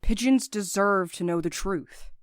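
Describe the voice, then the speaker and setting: A woman's voice: medium pitch, unhurried, dry recording, studio quality, close to an everyday voice. A woman playing a combative, sarcastic courier with a short fuse in an audio drama, blunt and biting in manner. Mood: defiant.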